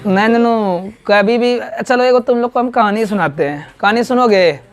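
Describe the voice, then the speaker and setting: Bihari guy teaching a class, kinda high voice, keeps quizzing the kids and going "right?". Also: normal speed. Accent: Bihari Hindi. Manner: quizzes students in call-and-response, keeps asking "right?". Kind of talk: classroom grammar lesson. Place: classroom with students.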